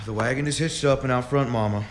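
An actor playing a dutiful, deferential eldest son of a frontier family in a radio drama, hesitant and obedient. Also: male voice, medium pitch, noisy background, natural voice.

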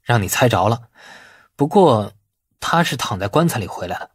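A man voicing a shrewd, bossy man who gives orders in a brisk, casual, persuasive way in an audiobook. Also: medium pitch, sing-song, husky, dry recording, clean studio sound. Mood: matter-of-fact.

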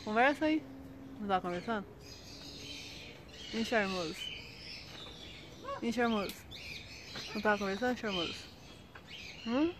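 A woman's voice: mid-range voice, measured pace, pauses often, background noise. A woman with a Brazilian Portuguese accent talking to her pet birds on camera, cooing and asking them questions in baby talk. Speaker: bird keeper vlogger.

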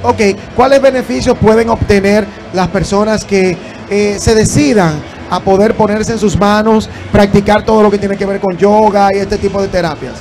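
A man in his thirties hosting a TV interview at a trade fair, upbeat and quick with his questions on a handheld mic. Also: sits high, fairly even intonation, background noise. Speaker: TV show host. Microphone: handheld microphone.

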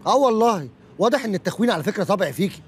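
A man's voice: sits high, very animated, racing, breathy edge, exaggerated voice. An actor playing a touchy, defensive man breaking up with his partner, with an Egyptian Arabic accent. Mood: indignant. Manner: defensive, melodramatic.

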